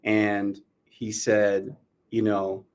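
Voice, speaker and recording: A man's voice: fairly low pitch, completely flat delivery, very slow. A middle-aged man from New York, born in Jamaica, talking casually and reflectively as an interview guest. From born in Jamaica, raised in New York from age four. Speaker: interview guest, former news anchor.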